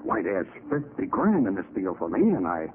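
An actor playing a cocky, slangy gangster killer in a 1940s radio crime drama. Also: male voice, low voice, sing-song, moderate pace, narrow, tinny audio. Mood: smug, cold. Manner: tough slangy gangster talk. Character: cocky male gangster killer and swindler holding a gun. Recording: scratchy, thin 1940s radio recording.

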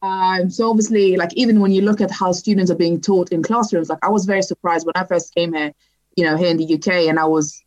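A young woman with a slightly low voice chats easily as a podcast guest. She was born in Libya and grew up in Sweden. Her talk is full of "like" and "you know", restarts and small laughs. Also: steady tone, fast, a little mellow, dull audio. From Libya, raised in Sweden. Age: young adult. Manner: chatty, many fillers and restarts, laughs lightly. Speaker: podcast guest, writer and activist. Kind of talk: casual interview chat.

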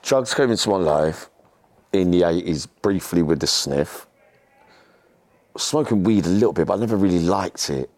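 A middle-aged man with a very low, deep voice. He talks casually and slangily, rambling through personal stories. The sound is close and dry. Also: expressive, moderate pace, pauses often, darkish tone, dry recording. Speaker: podcast guest. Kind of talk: casual chat, personal storytelling.

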